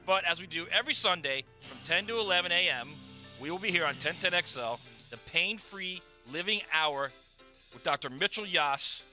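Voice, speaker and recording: A man co-hosting a radio show, chatting and asking quick follow-up questions. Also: high-pitched, animated, sharp tone, faint music behind. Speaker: radio co-host. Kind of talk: casual radio chat. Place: radio studio.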